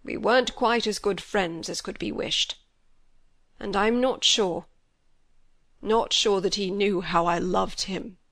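A woman's voice: mid-range voice, fairly even intonation, vocal fry, a bit bright, no room sound, heavily acted. A woman voicing a grief-stricken old squire. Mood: grieving. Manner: slow, broken, heavy with grief. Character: grieving older male country squire.

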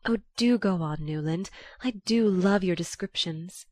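A woman voicing a composed, dignified young society woman who speaks softly and earnestly. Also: on the low side, a little slow, no room sound, clean studio sound. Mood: playful.

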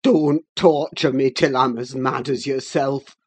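A woman voicing a desperate, anguished man who speaks slowly and savagely. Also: extremely low pitch, steady tone, husky, voice pushed down, heavily acted. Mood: despair. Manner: slow, despairing, savage.

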